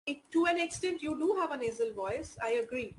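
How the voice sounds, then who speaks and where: High-voiced Indian woman teaching. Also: expressive, a little fast, slight background noise. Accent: Indian English. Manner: explanatory, many "you know" fillers. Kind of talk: online class lesson.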